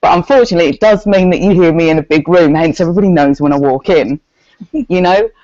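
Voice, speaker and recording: A woman with a deep voice, sharing a candid personal testimony with a group and acting out the words of people in her story. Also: fast, dry recording, highs cut off. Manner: earnest, quotes others' words in lively bursts.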